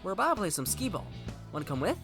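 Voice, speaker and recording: A woman's voice: on the low side, very animated, rapid-fire, creaky, over music. A woman voicing an easygoing, friendly boy in a dramatic story reading, with a casual, slangy delivery. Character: easygoing, friendly 1980s kid, a confident boy.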